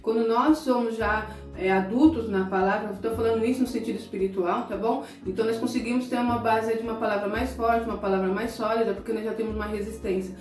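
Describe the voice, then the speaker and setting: A middle-aged Brazilian woman preaches to her viewers in a direct, conversational way. She is emotional and close to tears at times, and her voice is mellow. The room is echoey, with soft guitar music behind her. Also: a little high, steady tone, quick pace, few pauses, recorded from a distance. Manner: conversational, addresses listeners directly. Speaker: evangelical preacher. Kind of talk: sermon-style talk to viewers.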